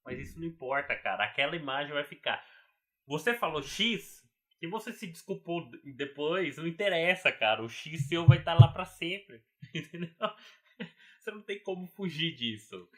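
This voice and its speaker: A man's voice: fairly high pitch, animated, normal speed. A man with a Brazilian Portuguese accent co-hosting a podcast in casual chat, rambling and leaning on fillers. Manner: rambling, fills with "cara" and "entendeu", laughs often. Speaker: podcast co-host.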